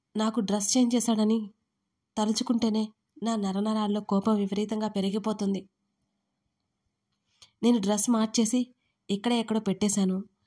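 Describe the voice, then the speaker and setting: Somewhat breathy and dark, mellow in tone, a woman with a fairly high pitch speaks in monotone, flat intonation in a very clean recording with a silent background. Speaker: storyteller. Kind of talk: read romantic audio story. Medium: read story.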